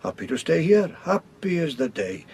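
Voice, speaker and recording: An actor playing a deferential rustic manservant in a radio horror play, speaking in a halting, folksy way. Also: male voice, fairly high pitch, big pitch swings, gravelly, darkish tone, breathy edge, exaggerated voice. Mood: reluctant, brooding. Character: deferential rustic manservant, plain-spoken and hesitant.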